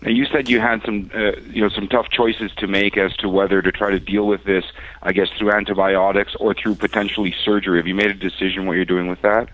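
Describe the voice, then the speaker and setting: A man's voice: lowish voice, flat delivery, brisk, highs cut off. A male reporter asking questions over speakerphone on a conference call.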